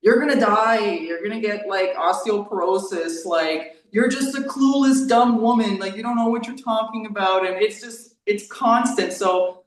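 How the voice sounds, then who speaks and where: A woman's voice: mid-range voice, normal speed, few pauses, far from the mic. A woman in her thirties, recorded in an echoey room some way from the mic. She chats in a loose, rambling way, dropping "like" into her sentences as in a casual interview. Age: 30s. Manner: rambling, peppered with "like". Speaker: YouTube creator on diet.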